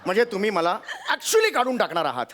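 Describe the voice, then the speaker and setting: A man's voice: high-pitched, wildly swooping pitch, fast talker, fairly bright tone, slight background noise. A man playing a cheeky office worker in a stage comedy sketch, teasing and talking back, speaking with a Marathi accent.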